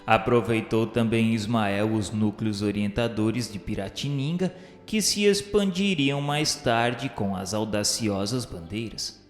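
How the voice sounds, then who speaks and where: A man's voice: fairly low pitch, measured pace. Echoing, solemn Brazilian male narrator. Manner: solemn, grandiloquent, formal. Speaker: narrator of a religious radio novela. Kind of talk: scripted dramatic narration, literary reading. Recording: echoey hall-like reverb, music underneath. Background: music.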